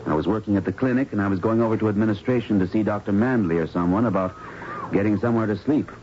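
An actor playing a plucky, chivalrous young intern doctor in a radio drama, with a breezy, plain-spoken manner. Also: male voice, fairly low pitch, quick pace, darkish tone, natural voice. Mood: wry. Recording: dull old radio recording, faint noise.

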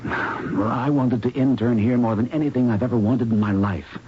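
An actor playing a troubled, disillusioned young doctor in a radio drama, speaking with urgent, bitter intensity. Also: male voice, medium pitch, normal speed, close to an everyday voice. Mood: bitter, wistful. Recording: dull, noisy old radio broadcast.

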